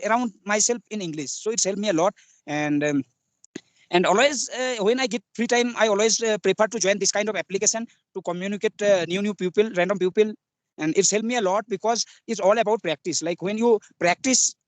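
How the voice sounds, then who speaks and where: Guest role: young Bengali-accented man, high quick voice, hesitant learner English, dry close sound. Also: no room sound. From West Bengal, India. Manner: hesitant, many fillers, simple broken grammar. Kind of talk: casual interview, learner English.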